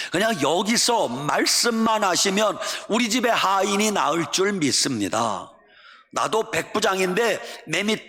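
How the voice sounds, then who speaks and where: Preacher guy doing a humble centurion begging earnestly, bright voice, echoey church. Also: sits high, exaggerated voice. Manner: earnest, pleading, building to a shout. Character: humble pleading Roman centurion, grown man. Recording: long church hall reverb.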